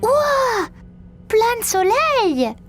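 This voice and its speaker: A woman's voice: very high-pitched, very slow, exaggerated voice. A woman voicing a curious, cheerful four-year-old boy in a dubbed cartoon, eager and full of questions. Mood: amazed. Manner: eager, excited, asks lots of questions. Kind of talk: French-dubbed cartoon acting. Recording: with children's music behind.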